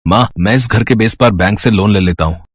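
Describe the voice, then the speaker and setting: A man's voice: on the low side, brisk, breathy edge, dry recording. Man acting a spoiled, arrogant rich young man. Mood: insistent. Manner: mocking, whiny, entitled, mixing English words into Hindi. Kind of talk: dramatised Hindi story acting.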